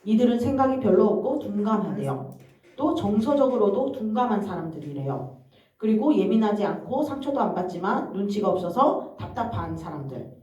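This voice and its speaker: A woman evangelist speaks in a calm, teaching manner, reading a passage and then coaching her congregation through it. Her voice is mellow and somewhat dark. It comes from well off the mic in a very echoey church hall, with a dull, muffled sound. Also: mid-range voice, brisk, recorded from a distance, faint music behind. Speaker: evangelist leading prayer. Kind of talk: reading aloud and explaining in a church prayer session.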